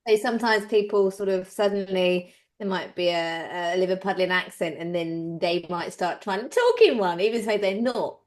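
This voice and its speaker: A woman's voice: mid-range voice, normal speed, hardly any pauses. A woman in a casual panel discussion who thinks aloud, tentatively posing questions. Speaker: panel guest.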